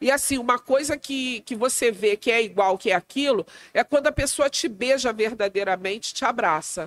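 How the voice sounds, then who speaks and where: In a plain, everyday voice, a woman with a fairly high pitch and ordinary pitch variation speaks at a moderate pace with hardly any pauses, in a dry, close sound with no echo. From Rio de Janeiro, Brazil. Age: 50s. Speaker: chef and restaurant owner. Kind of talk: casual chat.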